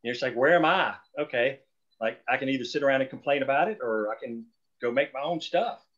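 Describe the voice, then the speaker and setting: A man's voice: medium pitch, expressive, quick pace, a bit bright. Opinionated man on a dull-sounding call. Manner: opinionated, emphatic, rambling, swears. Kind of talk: casual discussion on a group call. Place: group video or phone call.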